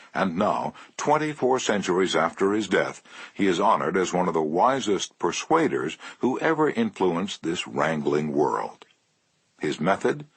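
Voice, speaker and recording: Husky low-voiced male audiobook narrator. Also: no echo. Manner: measured, lively delivery with slow emphatic phrases.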